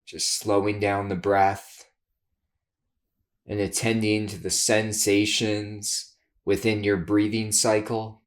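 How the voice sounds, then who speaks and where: A man leading a guided meditation in a soothing, measured way, giving gentle instructions with long pauses. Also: on the low side, flat delivery. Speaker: guided meditation leader, therapist.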